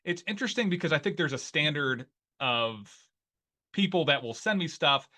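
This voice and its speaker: A man's voice: on the high side, lively intonation, normal speed, sharp tone. A man in his forties from Northeast Ohio with an Ohio accent, talking as a guest in a casual interview and rambling with many fillers and restarts. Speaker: guest, newsletter writer.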